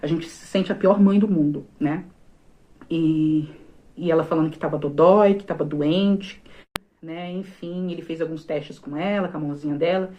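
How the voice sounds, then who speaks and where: Brazilian woman, 30s, low and warm voice, emotional testimony told straight to the audience. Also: fairly even intonation, normal speed. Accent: Brazilian Portuguese. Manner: emotional storytelling, often calls on listeners directly. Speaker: speaker giving a personal testimony. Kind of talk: personal faith testimony.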